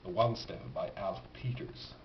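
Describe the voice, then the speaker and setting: A man talking casually and haltingly as he presents his collection, in an unscripted show-and-tell. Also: sits low. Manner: halting, pausing, thoughtful delivery. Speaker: record collector presenting finds. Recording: dull, noisy, echoey home recording.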